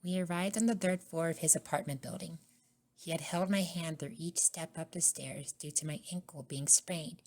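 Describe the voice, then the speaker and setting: A woman narrating a scripted first-person ASMR story in a soft-spoken way. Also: sits low, moderate pace. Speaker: narrator and voice actor.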